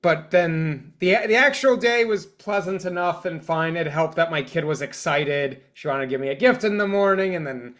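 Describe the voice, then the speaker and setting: A man in his forties with a fairly high voice talks in a casual podcast chat. He restarts and repeats words often and jokes at his own expense. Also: a bit bright. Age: 40s. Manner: halting, repeats words, self-deprecating humor. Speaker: comedian guest.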